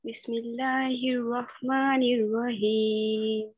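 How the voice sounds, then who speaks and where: Female student reciting, high flat voice, very slow, muffled dry call audio. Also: dry recording. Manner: slow, evenly chanted.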